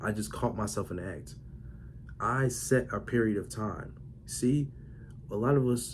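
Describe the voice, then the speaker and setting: This man's voice is fairly low, with vocal fry and very wide pitch swings. His pace is moderate. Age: young. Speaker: vlogger. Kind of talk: casual monologue to camera. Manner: halting.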